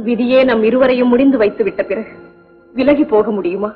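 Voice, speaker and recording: A woman playing a learned princess, formal and high. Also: brisk, close to an everyday voice. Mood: devoted. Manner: formal literary speech, dramatic pleading. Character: learned young princess bride, devout, proud and anguished. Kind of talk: 1960s film acting. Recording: dull old film soundtrack with music.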